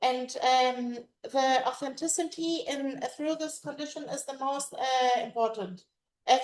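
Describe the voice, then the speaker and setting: A woman whose first languages are Greek and German gives a conference presentation in English as a language teacher. She talks haltingly, searching for words and restarting often. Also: high voice. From Greece. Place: conference room. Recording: echoey room.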